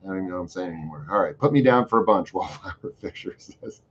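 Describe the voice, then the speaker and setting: A man's voice: low voice, sing-song, fast, dull audio, a little hiss or hum. A man hosting a casual live chat, answering viewer questions in a rambling, profane way with lots of fillers. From Florida. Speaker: host.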